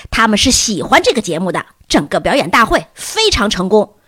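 A woman voicing a brash, loud schoolboy who hosts a talent show, announcing like a showman. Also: medium pitch, sing-song, fairly quick, husky, no room sound, clean studio sound. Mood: showy.

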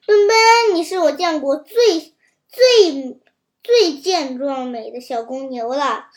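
A woman's voice: high-pitched, animated, slow pace. A woman reading a storybook who voices a sly, scheming old male lion with a wheedling, fake-friendly manner. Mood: fawning. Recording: roomy echo.

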